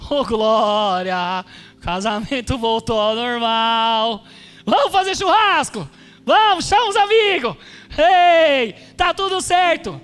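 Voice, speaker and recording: A man playing a grown husband who pleads and whines to his pastor, loud and exaggerated. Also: extremely high pitch, lively intonation, slow, faint music behind, heavily acted. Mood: jubilant.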